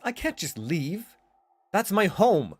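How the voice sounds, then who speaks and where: A man's voice: high-pitched, very animated, slow, slightly rough, pitched above the performer's own voice, exaggerated voice. Man voicing Nina, a stubborn, emotional young woman. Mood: defiant. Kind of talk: visual novel character reading.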